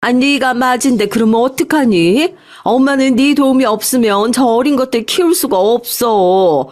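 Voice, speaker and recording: A woman's voice: on the high side, moderate pace, a little mellow, pitched above the performer's own voice, natural voice. A woman voicing a careworn middle-aged mother in story dialogue, with a pleading manner. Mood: pleading, reproachful. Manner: pleading, sighing interjections.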